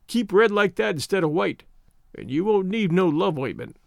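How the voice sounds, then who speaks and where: A man's voice: high voice, animated, moderate pace, creaky, no room sound, studio quality. A man voicing a scheming old woman witch who speaks in a folksy rustic dialect. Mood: scolding.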